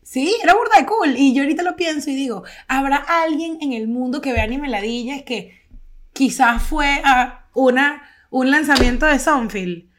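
A young Venezuelan woman chats on a podcast in a slightly high voice. She tells childhood stories in quick, slangy bursts and laughs between them. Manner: animated storytelling, slangy, laughs often. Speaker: podcast co-host. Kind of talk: casual chat.

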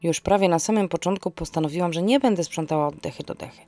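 A woman's voice: fairly low pitch, fast talker, dark tone, no room sound, faint music behind. A woman hosting a podcast and narrating a scripted first-person story in a wry, theatrical manner.

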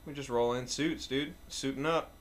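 A man's voice: medium pitch, fairly even intonation, normal speed, a little hiss or hum. A man hosting a podcast, joking crudely with his guest in casual chat. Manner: laughing, crude banter. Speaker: podcast host.

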